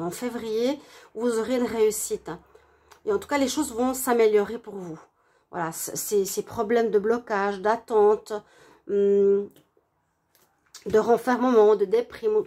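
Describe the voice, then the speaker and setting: A woman with a stuffy nose from a cold gives a relaxed tarot reading for her viewers, gentle and halting with many hesitations. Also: a little high. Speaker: tarot reader.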